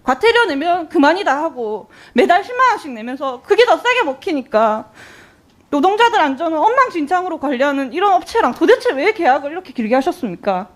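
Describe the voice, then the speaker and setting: A woman's voice: high voice, very animated, brisk. A woman in her twenties, a lawmaker questioning an executive in a parliamentary hearing with pointed, indignant rhetorical questions. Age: 20s. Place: national assembly hearing room. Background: faint guitar music.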